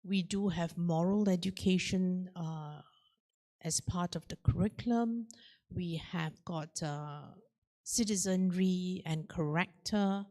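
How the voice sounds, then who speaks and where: A woman from Singapore with a Singaporean English accent, giving a measured, explanatory answer on a panel with frequent fillers. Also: lowish voice, a little mellow. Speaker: forum panelist.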